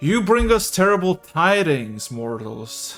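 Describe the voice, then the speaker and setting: Putting on a character voice, a man speaks high for a man at a fairly slow pace with very wide pitch swings, faint music in the background. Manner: ominous, commanding.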